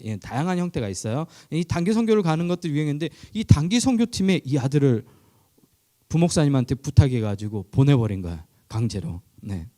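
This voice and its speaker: Male pastor from Korea, sermon storytelling, animated rise and fall, mellow tone. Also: mid-range voice. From South Korea. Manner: conversational storytelling with questions to listeners. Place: church, online youth service.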